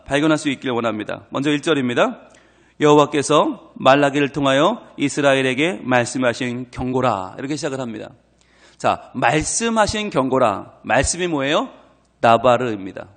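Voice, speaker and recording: A middle-aged man with a Busan Gyeongsang accent preaches an early-morning sermon in a fairly high voice. His pitch rises and falls widely as he throws rhetorical questions at the congregation. He slips into quarrelsome acted dialogue. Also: fairly bright tone. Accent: Busan Gyeongsang Korean. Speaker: pastor.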